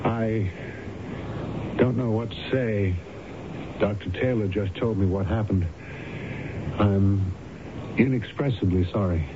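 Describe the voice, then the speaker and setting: An actor playing an earnest, grave doctor in a radio drama. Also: male voice, on the low side, takes it slowly, long pauses. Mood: remorseful. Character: earnest, guilt-stricken male hypnotist doctor. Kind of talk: old-time radio drama acting. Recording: dull, noisy radio broadcast recording.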